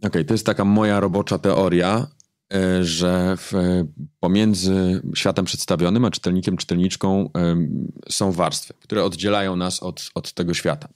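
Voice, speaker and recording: A man, a book editor, explaining his craft thoughtfully in an interview, pausing often with fillers. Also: deep voice, fairly even intonation, a little mellow, no room sound, studio quality. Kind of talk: interview conversation.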